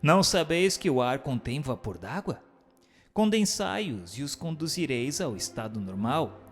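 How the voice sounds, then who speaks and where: Man reading formally, with lively intonation. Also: medium pitch, a little slow, soft background music. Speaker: narrator. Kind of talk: scripted dramatized reading of a spiritist book.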